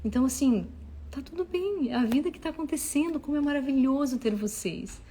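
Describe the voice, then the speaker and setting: A woman giving parenting advice to an audience in a casual, expressive talk. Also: high-pitched, a little fast. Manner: expressive, acts out dialogue with children. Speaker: parenting advice speaker and mother.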